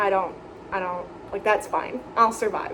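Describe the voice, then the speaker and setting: Noticeable background noise sits behind a woman talking. Her pace is moderate and her pitch varies in an ordinary way. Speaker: knitting podcaster. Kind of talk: casual chat.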